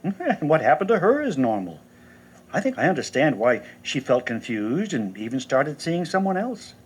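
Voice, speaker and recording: A kindly mentor in an audio drama, offering gentle advice. His voice is husky and a little high, with lively rises and falls. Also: normal speed. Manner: gentle, advising.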